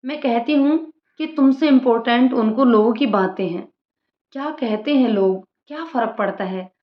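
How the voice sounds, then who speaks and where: A woman's voice: fairly high pitch, normal speed, close to an everyday voice. A woman playing a bossy, teasing young sister-in-law. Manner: bossy, joking, outspoken. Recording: roomy lo-fi room sound.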